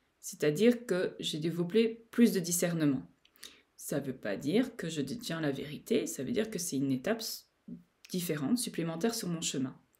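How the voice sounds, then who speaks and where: Against a quiet background, a woman with a fairly low pitch and a dark, mellow, somewhat breathy tone speaks at a moderate pace with very wide pitch swings. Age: 30s. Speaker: spiritual content creator; spiritual guidance creator. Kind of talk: monologue video talk; casual talk to camera on spiritual topics. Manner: hesitant, many fillers. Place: home room. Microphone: phone near.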